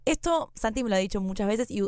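A woman's voice: mid-range voice, expressive, fast talker, darkish tone, no room sound, studio quality. A young woman with a Rioplatense accent co-hosting a casual podcast, playful and teasing. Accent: Rioplatense Spanish. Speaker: podcast co-host.

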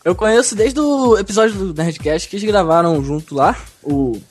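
A man co-hosting a podcast, chatting in a relaxed and casual way. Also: sits high, moderate pace, soft background music. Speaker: podcast co-host.

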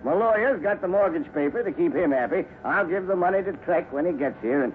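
An older western Colonel, folksy and hearty on the surface and crooked underneath. His fairly high voice swings widely in pitch. It comes through a tinny, scratchy old radio recording. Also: lively intonation, fast talker. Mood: jovial, folksy. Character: scheming crooked Colonel posing as jovial folksy benefactor. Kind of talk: 1950s radio western acting.

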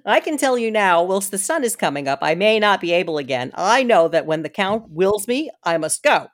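A woman's voice: mid-range voice, sing-song, moderate pace, natural voice. A woman reading an earnest Victorian wife. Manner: earnest, pleading, formal phrasing. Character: devoted young Victorian wife.

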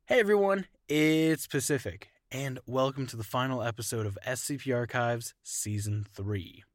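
A man hosting and narrating a podcast, reading scripted material in a measured, clearly enunciated way. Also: mid-range voice, no room sound, studio quality. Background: music.

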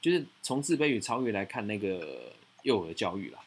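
Fast-talking, husky man. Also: fairly low pitch. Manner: frank, teasing, fast and animated. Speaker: podcast host and mentor. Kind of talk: casual advice chat.

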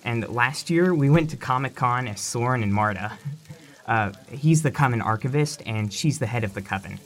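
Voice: mid-range voice, expressive, normal speed, close to an everyday voice. Eager, cheeky teenager played by an actor. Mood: enthusiastic, geeky. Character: eager, cheeky teenage fantasy fan, Mom's kid. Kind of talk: audio drama acting, casual chat.

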